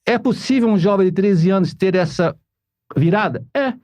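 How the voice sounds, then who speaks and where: Man from Portugal, earnest podcast guest, fairly high pitch, dry close sound. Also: normal speed, darkish tone, no room sound. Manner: earnest, explanatory, repeats points for emphasis. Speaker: guest speaker on Catholic parenting. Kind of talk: podcast conversation.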